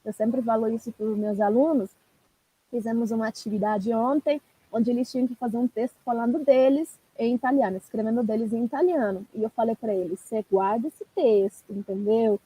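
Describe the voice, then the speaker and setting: A woman's voice: fairly high pitch, fairly quick, dark tone, breathy edge, rough recording. A woman, a language teacher giving encouraging, direct advice in a live-stream coaching talk.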